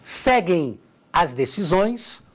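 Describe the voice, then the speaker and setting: Speaking very slowly at a fairly low pitch, with big swings in her intonation, a woman with a Brazilian Portuguese accent teaches Portuguese grammar on TV. She walks through examples and checks in with her listeners.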